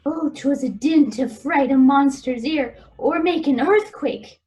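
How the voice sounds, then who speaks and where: A woman plays a sly noble conspirator who exaggerates alarm in a Shakespeare radio play. The voice is high. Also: unhurried, darkish tone.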